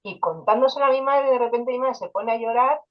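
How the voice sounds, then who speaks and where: A woman's voice: on the high side, fairly quick, highs cut off. A woman, an interview guest and hypnotherapist, telling personal stories in a casual way and quoting dialogue along the way. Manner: personal storytelling with quoted dialogue and fillers.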